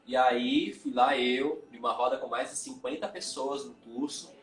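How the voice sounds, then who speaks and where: A man's voice: medium pitch, fairly even intonation, faint music behind. Candid man telling his story, echoey room. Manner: candid, halting, repeats words. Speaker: guest, tantra and yoga teacher. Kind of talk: confessional storytelling in a live interview.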